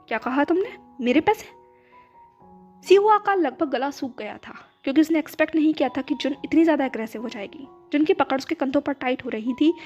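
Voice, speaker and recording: A woman narrating her own fan fiction story in a flowing, expressive way. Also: sits high. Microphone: phone recording. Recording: dull lo-fi voice with background music.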